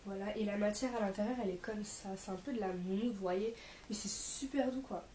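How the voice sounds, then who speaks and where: A woman's voice: medium pitch, steady tone, brisk, warm tone, reverberant, slight background noise. A young woman vlogging casually to camera in an informal, rambling way, her voice a bit off because she is mildly ill. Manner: informal, rambling, self-correcting. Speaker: vlogger presenting a shopping haul.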